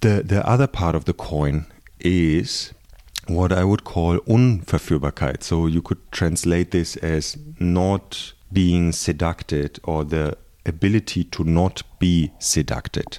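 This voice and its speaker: In a German accent, a man speaks at a very slow pace with a very deep, low pitch, a dark, mellow tone and ordinary pitch variation. The recording is very clean with a silent background, and the sound is dry and close with no echo. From Germany. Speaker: podcast host. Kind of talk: solo podcast talk. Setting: audio-only recording.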